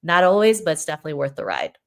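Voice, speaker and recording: A woman's voice: sits low, huge pitch swings, very fast, creaky. A woman from Toronto, born in the Philippines and not a native English speaker, talking casually and motivationally as an author guest on a podcast. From Toronto, Canada, born in the Philippines. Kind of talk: casual interview talk, motivational.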